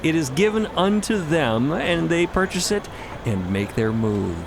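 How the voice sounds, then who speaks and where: A man's voice: on the high side, big pitch swings, unhurried, creaky. A man narrating a scripted story in a playful, wordy, theatrical manner. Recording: music behind narration.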